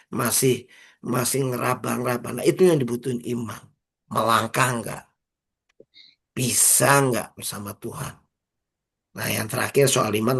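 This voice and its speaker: Gravelly-voiced man preaching on a call. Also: mid-range voice. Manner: exhorting, repeats phrases and drops into slow emphatic recitation; addresses listeners by name, casual colloquial asides. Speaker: preacher leading an online prayer meeting. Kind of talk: informal sermon over video call.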